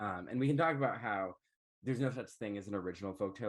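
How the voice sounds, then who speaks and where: Talking at a very fast pace, a man with a Midwestern American accent uses lively intonation. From US Midwest. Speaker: podcast host. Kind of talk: casual chat.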